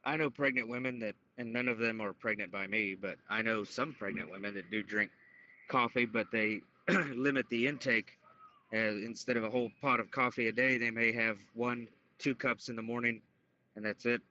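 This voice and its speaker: A man's voice: mid-range voice, steady tone, moderate pace, pushed and bright, dull audio. A man chatting casually as a participant on a podcast. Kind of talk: casual chat.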